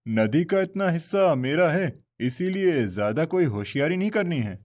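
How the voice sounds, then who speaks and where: This is a bossy older village boss in a cartoon, barking orders and accusing people of cheating, as a man puts him on. The voice sits noticeably higher than usual and is pushed louder. The delivery is scolding and impatient. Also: lively intonation, normal speed, lightly acted. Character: stern older male fish-pond boss. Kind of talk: Hindi cartoon voice acting.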